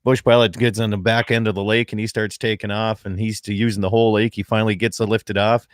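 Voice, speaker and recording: A man hosting an outdoors radio show from his ranch porch, telling folksy jokes and opening the show in a loud, upbeat on-air voice. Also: on the low side, little pitch movement, fast talker, no echo, studio quality. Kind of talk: casual chat, then radio show opening.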